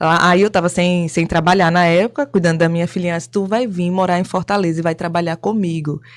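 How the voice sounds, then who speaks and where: A woman with an ordinary speaking voice, fairly low pitch, fairly even intonation and a moderate pace. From Pernambuco, Brazil. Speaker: businesswoman. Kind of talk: podcast interview.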